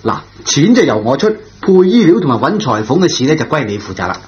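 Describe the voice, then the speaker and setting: A man's voice: medium pitch, big pitch swings, quick pace, a little mellow, lightly acted. Grumbling middle-aged dad, acted by a man, dull radio sound. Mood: grudging. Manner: sighing, mock-scolding. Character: grumbling, money-minded but indulgent middle-aged father. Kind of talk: radio drama acting. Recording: dull lo-fi radio, audible noise.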